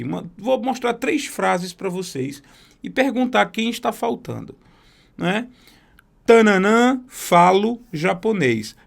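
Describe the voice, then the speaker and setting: A man teaching a beginner English class, patiently explaining grammar and slowly modelling words. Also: fairly high pitch, vocal fry.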